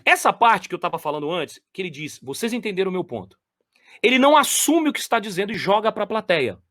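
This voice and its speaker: A man's voice: high-pitched, big pitch swings, quick pace, bright, forceful tone, no echo, clean studio sound, soft background music. A man giving commentary on lecture clips. He talks straight to his viewers, stressing and repeating phrases.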